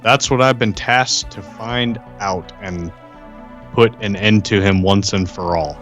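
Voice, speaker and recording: A man improvising casually as a tabletop roleplay player, deliberate and pausing between phrases. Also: fairly low pitch, fairly bright tone, faint music behind.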